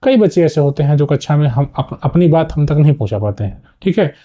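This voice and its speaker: Man, teacher, very warm mellow voice, slightly high pitch, explanatory, checks in often. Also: expressive, a little fast. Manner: explanatory, frequent "ठीक है" checks. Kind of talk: exam-prep lesson.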